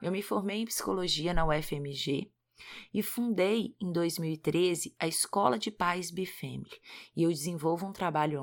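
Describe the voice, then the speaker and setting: A woman with a Minas Gerais accent, fairly low pitch, lively intonation and fairly slow pace, on a very clean recording with a silent background. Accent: Minas Gerais Brazilian Portuguese. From Minas Gerais, Brazil. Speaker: podcast host, psychologist. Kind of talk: podcast self-introduction.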